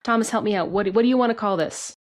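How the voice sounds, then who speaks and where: A woman's voice: mid-range voice, very fast. A woman hosting an interview, asking questions in a casual, conversational way with some restarts. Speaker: podcast host.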